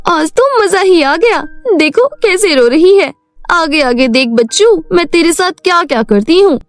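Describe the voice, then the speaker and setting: A jealous fairy girl with a shrill, high voice snaps and sneers in a cartoon story, as a woman puts her on. She talks in a sharp, scornful way, and soft music plays behind her. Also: normal speed, no echo. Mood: gloating. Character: jealous spiteful fairy girl, older sister.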